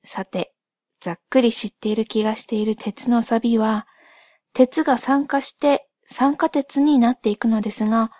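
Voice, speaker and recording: A woman speaking softly in a gentle, polite and measured way, as in a calm ASMR-like explanatory monologue by a solo host. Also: fairly high pitch, dry recording, clean studio sound. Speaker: host of a solo spoken channel.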